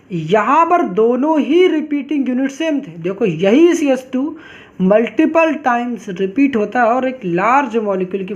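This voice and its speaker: A woman teaching a chemistry class, who keeps asking questions and answering them herself and drags out key terms slowly. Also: a little high. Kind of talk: online class lecture. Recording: dull lo-fi recording.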